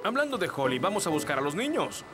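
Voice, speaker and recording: A man's voice: high-pitched, sing-song, fast talker, music in the background. A man voicing a jolly, fussy elf father in a Latin American Spanish cartoon dub. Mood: urgent. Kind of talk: children's cartoon dub acting.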